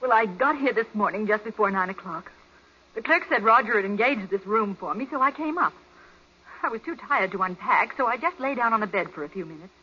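A woman's voice: a little high, sharp tone, breathy edge, exaggerated voice. A woman playing an anxious, earnest wife in a 1940s radio crime drama. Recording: dull vintage 1940s radio recording.

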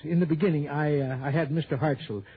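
In a 1960s radio drama, an older actor plays an elderly male country doctor who hesitates, stammers, and sounds defensive. The man's voice is on the high side with a steady tone, delivered fast and lightly acted. The recording has the tinny sound of an old radio broadcast.

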